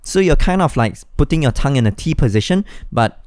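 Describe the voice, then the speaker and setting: A man's voice: medium pitch, lively intonation, brisk, darkish tone, dry recording, clean studio sound. A man teaching beatbox step by step in an encouraging, instructional way. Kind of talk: step-by-step tutorial.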